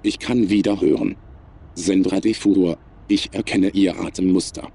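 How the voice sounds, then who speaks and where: Man playing a low, mellow, emotionless computer mind. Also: fairly even intonation, gravelly, breathy edge, heavily acted. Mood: cold, detached. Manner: measured, formal, emotionless. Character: sentient male artificial intelligence, coldly logical and superior. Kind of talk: science fiction audio drama acting.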